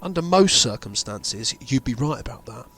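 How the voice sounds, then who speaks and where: A man playing a grave insider revealing a sinister conspiracy in an amateur audio drama, speaking deliberately with dramatic pauses. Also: mid-range voice, lively intonation, fairly bright tone, husky. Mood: explanatory, intent.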